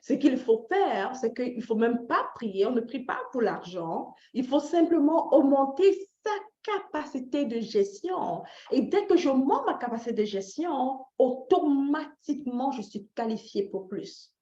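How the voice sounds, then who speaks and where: A Canadian woman with a warm, high, sing-song voice speaks at a measured pace with hardly any pauses, giving an informal, motivational live lesson on personal finance. She checks in with listeners, asks them questions directly, repeats phrases for emphasis, and adds short English tags. The recording has a roomy echo and a slightly dull lo-fi sound.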